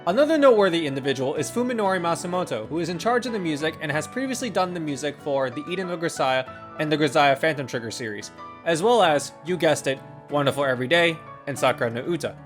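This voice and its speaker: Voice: mid-range voice, lively intonation, quick pace. A video reviewer reading a scripted first-impressions narration in an enthusiastic, opinionated manner. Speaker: video game reviewer and host. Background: guitar and instrumental music.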